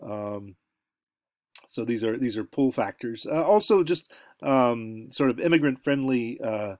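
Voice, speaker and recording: A man's voice: medium pitch, animated, a little slow, darkish tone, dry recording. American man lecturing, dry close sound. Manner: conversational, thinking aloud with asides. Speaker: college lecturer. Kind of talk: informal recorded lecture.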